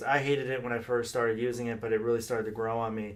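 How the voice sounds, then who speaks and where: A man rattles along at a very fast pace with a medium pitch and monotone, flat intonation, with audible room echo. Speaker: coding youtuber. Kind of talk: casual tech demo talk. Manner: hesitant, many fillers.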